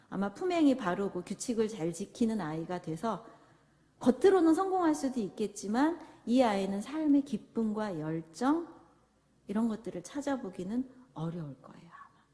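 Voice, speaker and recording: A woman's voice: a little high, dark tone. A woman giving a church parenting lecture, asking the audience questions and acting out parent and child dialogues. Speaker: parenting seminar speaker. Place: large church hall. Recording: reverberant hall.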